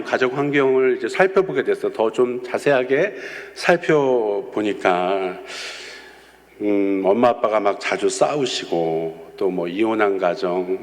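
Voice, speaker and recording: A male youth pastor giving a conversational sermon, telling stories with frequent affirming asides. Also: medium pitch. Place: church sanctuary. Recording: long church-hall reverb.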